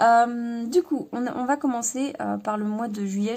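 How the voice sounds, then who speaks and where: A woman's dark, mellow tone with ordinary pitch variation on a very clean recording with a silent background. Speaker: coloring hobby YouTuber. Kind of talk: casual vlog recap. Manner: hesitant, many fillers.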